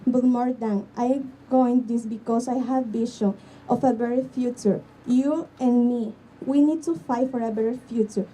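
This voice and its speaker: Young woman, Guatemalan Spanish accent, high dark voice, distant mic, faint outdoor noise. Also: steady tone. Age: young adult. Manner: earnest, halting non-native English. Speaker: student speaker at a rally. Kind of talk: prepared rally speech. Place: outdoor school campus.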